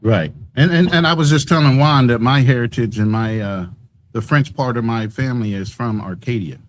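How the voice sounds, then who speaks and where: A man's voice: mid-range voice, moderate pace, slight background noise. A man hosting a casual online panel, talking guests through how to share the link. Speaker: panel host.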